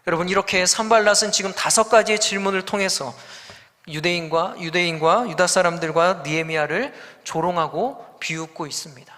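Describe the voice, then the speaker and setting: A man with a high, bright voice preaches a sermon, building emphasis and mimicking taunting questions. His voice rings with a long reverb through a church sanctuary. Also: fairly even intonation, a little fast. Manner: preaching with rising emphasis, acting out the mocking questions of enemies. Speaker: pastor.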